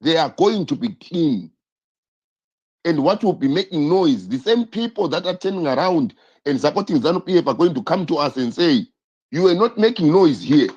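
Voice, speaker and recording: A man hosting a political live stream, his husky voice riding fairly high and swinging widely in pitch. He talks with urgent passion, circles back over his points and throws out rhetorical questions. The sound is dull and lo-fi. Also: big pitch swings, moderate pace, a little mellow. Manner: impassioned, repetitive, rhetorical questions.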